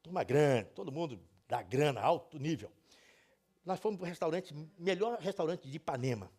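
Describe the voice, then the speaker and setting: High-voiced animated preaching man. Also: normal speed, husky. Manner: animated storytelling with sudden loud and soft swings; addresses the congregation directly. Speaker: pastor. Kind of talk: sermon.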